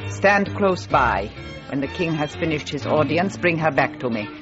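A woman's voice: deep voice, lively intonation, normal speed. An actress playing a strict, controlling aristocratic mother, giving stern clipped commands. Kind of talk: period drama acting. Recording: dull lo-fi with music behind.

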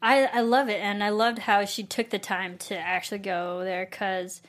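A woman's voice: mid-range voice, level tone, normal speed. Chatty woman co-hosting a film chat. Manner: chatty, trails off and restarts, laughs easily. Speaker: podcast co-host. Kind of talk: casual film discussion.

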